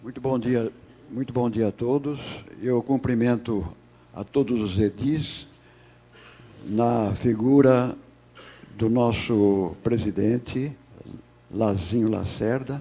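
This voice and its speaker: A man's medium-pitched voice at a very slow pace, with fairly even intonation and long, frequent pauses. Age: 80s+. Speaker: invited speaker at city council. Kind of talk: public speech. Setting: city council chamber.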